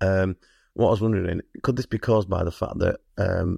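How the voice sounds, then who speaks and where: A man's very deep, low, somewhat breathy voice in a northern English accent, with fairly even intonation and a dry, close sound with no echo. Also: very clean recording, silent background. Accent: northern English, flat vowels. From northern England, Manchester area. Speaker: listener asking a question. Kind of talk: recorded listener question.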